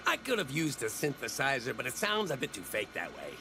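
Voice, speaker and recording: An actress voicing a middle-aged, picky, eccentric sound effects artist in an anime dub, talking in a bossy, playful way. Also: female voice, very deep voice, big pitch swings, brisk, noisy background. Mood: easygoing. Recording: music playing under the voice.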